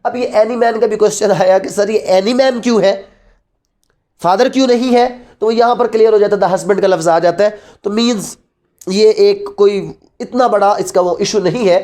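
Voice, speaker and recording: A woman with a Pakistani accent teaches law in an explanatory lecture that mixes Urdu and English, repeating key phrases and asking rhetorical questions didactically. Her voice is medium-pitched and dark, at normal speed.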